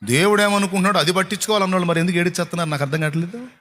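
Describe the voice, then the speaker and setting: A man's voice: high voice, steady tone, rapid-fire, a bit bright, slight background noise. A man preaching a sermon, firing rhetorical questions at his listeners and mocking their complaints.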